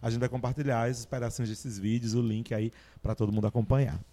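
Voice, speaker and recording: A man's voice: mid-range voice, flat delivery, quick pace, mellow. A man hosting a casual podcast interview, asking friendly questions and adding short replies. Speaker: podcast host.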